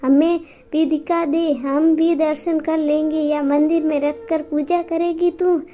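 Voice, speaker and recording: A bossy middle-aged mother-in-law voiced by a woman gives slow, high orders in a mellow tone. She is part of a read-aloud family story. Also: flat delivery. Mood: scolding. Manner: scolding, bossy household tone.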